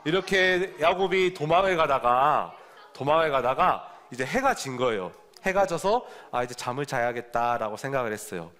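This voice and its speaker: A man's voice: fairly high pitch, fairly bright tone. A man preaching a children's sermon in a church service, telling the story with animation and asking the children questions.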